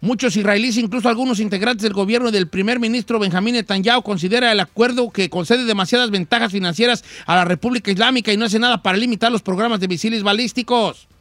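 High bright-voiced Mexican man joking. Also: fast, hardly any pauses, no room sound. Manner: joking, slangy, stumbling restarts. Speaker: news show host. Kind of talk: comic news chat.

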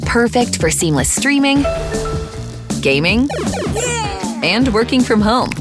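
A woman's voice: on the high side, big pitch swings, slow. A woman giving a polished radio commercial read. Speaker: ad announcer. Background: music bed.

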